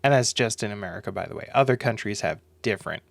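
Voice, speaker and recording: A man's voice: lowish voice, animated, quick pace, creaky, no room sound. A young man with a sore throat giving a dry, sarcastic commentary monologue, swearing now and then. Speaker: video essay host.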